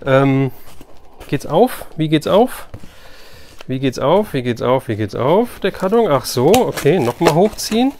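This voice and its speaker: A man's voice: on the high side, big pitch swings, unhurried, a little mellow, a little hiss or hum. A man talks casually to his viewers as he presents an unboxing. He sounds keen and colloquial, and he likes to repeat a phrase to drive it home. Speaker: collector presenting an unboxing video. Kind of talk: casual unboxing chat to camera.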